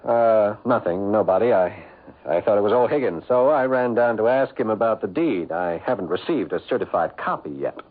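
An actor playing a brusque, evasive forty-year-old husband in a radio drama, defensive and hesitant. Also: male voice, on the low side, animated, fairly quick, phone-quality sound. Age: 40s. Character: irritable, evasive husband, forty, troubled former mine owner. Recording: thin band-limited old radio broadcast.

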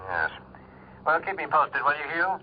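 A man's voice: a little high, sing-song, moderate pace. A man playing a skeptical, dryly dismissive husband with a clipped manner in a radio drama. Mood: tense. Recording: tinny, noisy old radio broadcast.

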